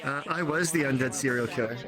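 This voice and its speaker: A man's voice: medium pitch, quick pace. A man in casual chat, talking in a chatty, slightly stumbling way. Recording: voice chat with crowd chatter behind.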